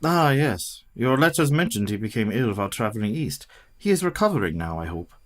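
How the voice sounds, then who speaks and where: An actor in a radio play playing a learned, gentle and grave elderly professor who speaks in a formal, measured way. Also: male voice, medium pitch, very animated, natural voice. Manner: formal, courtly, measured speech.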